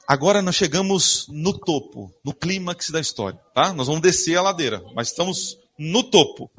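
Husky, bright-voiced preacher. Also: male voice, fairly high pitch, lively intonation, moderate pace. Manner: asks the congregation questions and answers them himself. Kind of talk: sermon with Bible reading. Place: church before a congregation.

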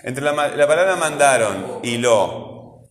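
A man's voice: medium pitch, animated, a bit bright. Man teaching in an echoey classroom. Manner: patient, coaxing questions, slow syllable-by-syllable modelling. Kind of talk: classroom grammar lesson. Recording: echoey classroom, roomy reverb.

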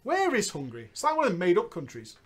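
A man hosting a comedic show, reading viewer stories aloud and bantering with a co-host, laughing often and jumping between loud bursts and quiet asides. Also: high voice, wildly swooping pitch, fast, slightly rough.

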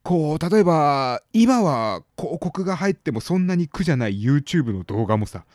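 A man in his thirties talks alone in a loose, rambling way, full of fillers and sudden overblown exclamations. His pitch swings widely and stays animated throughout. The sound is dry and close, with no room echo. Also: moderate pace. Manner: rambling, chatty, with hesitant fillers; bursts into exaggerated exclamations. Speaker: podcast host. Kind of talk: casual solo chat.

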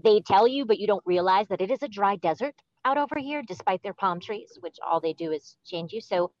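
A woman's voice: medium pitch, lively intonation, a little fast, a little mellow, dry recording, highs cut off. A woman from New York, a voice actor chatting casually on a panel about caring for her voice, often saying "like". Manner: chatty, practical, uses "like" often.

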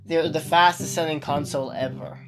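A young Irish man with an Irish accent and a fairly high, even-toned voice talks briskly as co-host of a casual podcast. He rambles with many restarts, recorded on a phone set on the table while music plays in the background.

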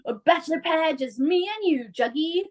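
A young woman co-hosting a casual podcast, recapping a TV episode and acting out the characters' lines with big jumps in her voice. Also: normal speed. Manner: animated storyteller, acts out characters' lines with big pitch jumps. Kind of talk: casual chat.

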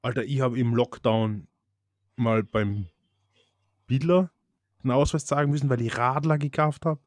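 A man's voice: medium pitch, steady tone, dry recording. Young Austrian guy for a podcast chat, mid voice, dry close sound, chatty storyteller. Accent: Austrian German. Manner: chatty, storytelling, quick laughs. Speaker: podcast co-host. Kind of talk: casual chat.

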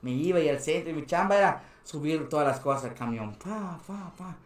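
Telling casual stories as a guest on a podcast, a young Mexican-accented man laughs often and imitates other people's voices. His pitch is fairly high, his intonation lively, and his delivery brisk, all in an echoey room.

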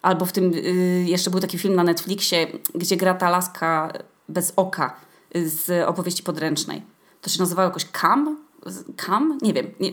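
A young woman hosting a podcast, talking in a chatty, colloquial and playfully ironic way. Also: on the low side. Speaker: podcast host. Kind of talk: casual solo podcast monologue.

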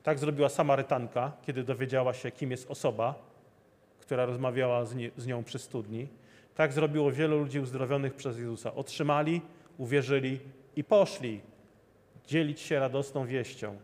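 A man's voice: mid-range voice, steady tone, normal speed, a little mellow. A man preaching a sermon, earnestly repeating rhetorical questions to his listeners. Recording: long hall reverb.

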